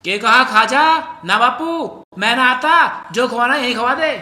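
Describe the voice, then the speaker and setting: A man's voice: very high voice, unhurried, bright, forceful tone, heavily acted. A man playing a deaf, lazy grown son who mishears and grumbles, in a Haryanvi accent. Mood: indignant. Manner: mishears words, grumbling, indignant.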